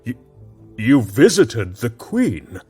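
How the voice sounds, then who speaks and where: An actor playing a flustered but kindly baron who stammers, then gently reassures. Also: male voice, mid-range voice, huge pitch swings, slow pace, breathy edge, soft background music, full character voice. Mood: flustered concerned. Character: flustered middle-aged male baron, kindly advisor. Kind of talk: audio drama acting.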